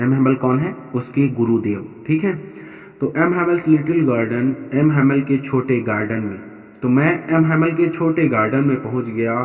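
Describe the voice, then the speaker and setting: A male English teacher with an Indian accent, explaining a textbook line by line, reading each English phrase slowly and then explaining it in Hindi. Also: mid-range voice. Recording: dull lo-fi sound in an echoey room with long reverb.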